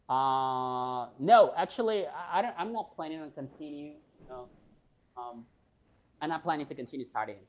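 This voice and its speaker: A young man from Peru hosts a live stream in English, which is not his first language. His Peruvian Spanish accent is audible, and he keeps a loose, chatty rhythm with plenty of fillers. His voice sits at an ordinary middle pitch for a man. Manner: relaxed, chatty, frequent fillers and laughs. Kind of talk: casual live-stream chat.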